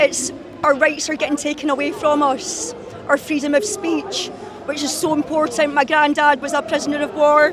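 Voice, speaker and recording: Music plays in the background as a woman talks at a moderate pace. Her high-pitched voice keeps fairly even intonation. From Britain. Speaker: rally attendee. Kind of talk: street interview.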